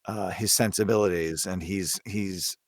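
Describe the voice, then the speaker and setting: A man chatting casually as a podcast panelist, halting and repeating words as he searches for his thought. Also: low-pitched, fairly even intonation, no room sound, clean studio sound. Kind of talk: casual interview chat.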